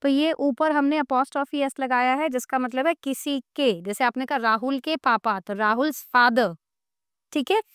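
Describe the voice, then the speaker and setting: A woman teaching an English grammar lesson, asking her class questions and answering them slowly. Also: sits high, a bit bright, clean tone, dry recording, clean studio sound.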